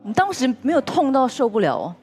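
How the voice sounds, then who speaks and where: A woman hosts a talk show, putting short questions in a lively, varied voice. Music plays clearly beneath her. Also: sits high, brisk. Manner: short interjections and probing questions. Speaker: host.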